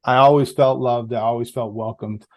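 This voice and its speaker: A middle-aged man with a central Massachusetts accent, a guest in a casual interview, talking reflectively and easily with fillers and soft laughs. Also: medium pitch, fairly even intonation, moderate pace, lo-fi sound. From Massachusetts, USA. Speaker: podcast guest, public health researcher.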